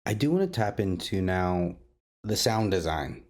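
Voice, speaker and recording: Enthusiastic, rambling man with lowish voice. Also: very animated, normal speed. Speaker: host interviewing podcast creators. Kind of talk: casual roundtable chat.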